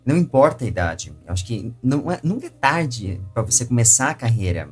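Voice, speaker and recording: A man's voice: medium pitch, sing-song, fairly quick, faint music behind. A man hosting an interview in a conversational style, asking questions and commenting on the answers. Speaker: interview host.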